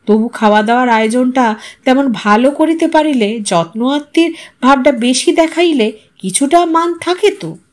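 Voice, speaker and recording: A woman storyteller giving an expressive, literary narration of an audio story. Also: high-pitched, normal speed.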